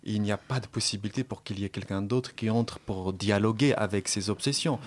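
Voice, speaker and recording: A man's voice: lowish voice, a little fast. Firm, reflective male writer. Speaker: writer, guest. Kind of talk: radio interview discussion.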